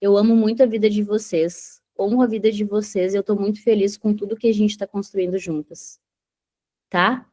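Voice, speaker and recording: A woman's voice: mid-range voice, little pitch movement, moderate pace, mellow. A woman leading a women's devotional call, closing it with affectionate farewells.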